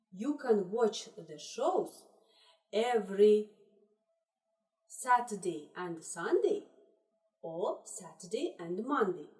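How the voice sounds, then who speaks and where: Woman, schoolteacher, lively pitch, slow careful delivery, mellow tone, echoey room, set back from the mic. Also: far from the mic. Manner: slow, deliberate, repeats words in three languages. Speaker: English teacher. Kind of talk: trilingual video lesson for children.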